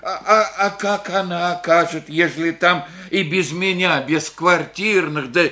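An actor playing a humble elderly village grandfather, a war veteran, who speaks slowly and hesitantly in rustic speech. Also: high-pitched, bright, forceful tone. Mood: resigned. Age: older. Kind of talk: radio play acting.

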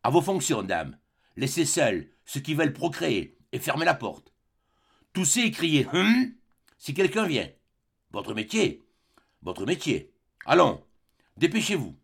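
A man's voice: on the high side, very animated, a little slow, gravelly, long pauses, breathy edge, heavily acted. A man reading a play aloud, voicing a jealous, tormented general with harsh, accusing outbursts. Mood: commanding.

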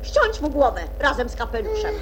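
A woman's voice: high voice, sing-song, fairly quick. An actress playing a hot-tempered, imperious queen who demands executions in a children's audio play, shrieking her orders. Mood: furious. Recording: old record with faint noise.

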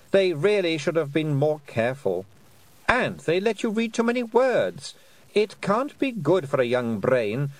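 A man's voice: fairly high pitch, no room sound, voice pushed up. A man reading aloud and voicing a cruel, mocking fairy queen who taunts a girl. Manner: silky, taunting, condescending.

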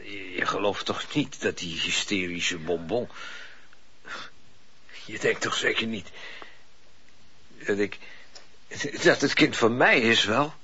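Deep-voiced agitated, exasperated husband. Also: male voice, bright, forceful tone. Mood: desperate. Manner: halting, emphatic, indignant. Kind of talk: radio drama acting. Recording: muffled, noisy old radio recording.

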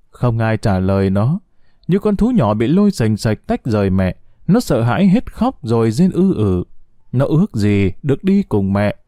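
A man narrating a sad story in a slow, heartfelt, expressive way. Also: mid-range voice, no room sound, studio quality.

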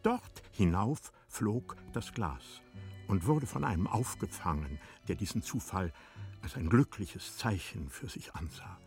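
Guy narrating an old novel as radio drama, fairly deep voice, formal and measured, soft music underneath. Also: lively intonation.

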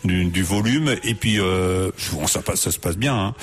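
A man's voice: deep voice, moderate pace, slightly rough. A man hosting a radio show, chatting casually with a band and laughing often. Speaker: radio host. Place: radio studio.

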